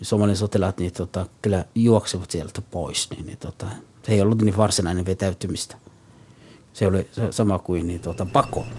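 A man with a Somali accent speaks at a moderate pace in a fairly low, somewhat breathy voice with fairly even intonation. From central Somalia. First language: Somali (speaking Finnish). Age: 50s. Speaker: Somali immigrant interviewee. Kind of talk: personal testimony interview. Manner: halting with many fillers.

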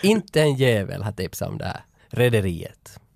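Very wide pitch swings at a moderate pace, in a dry, close sound with no echo and a very clean recording with a silent background. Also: man. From Ostrobothnia, Finland (Vaasa). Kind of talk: casual chat.

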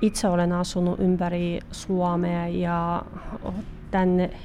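A Bashkortostan accent over noticeable background noise. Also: woman. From Bashkortostan, Russia. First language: Bashkir (speaking Finnish). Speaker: immigrant services coordinator. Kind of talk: interview. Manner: halting, frequent hesitations.

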